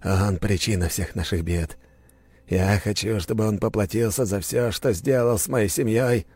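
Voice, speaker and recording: A man voicing an older father, weak and hoarse after a coma, who speaks in short, commanding demands. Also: on the low side, normal speed, a little mellow, dry recording, pitched above the performer's own voice. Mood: grim. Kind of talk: audiobook character voice.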